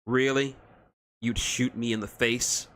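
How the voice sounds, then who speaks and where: A man's voice: medium pitch, flat delivery, slow, fairly bright tone, a little hiss or hum. A man voicing a cocky, wisecracking male crew leader with a smug, teasing manner.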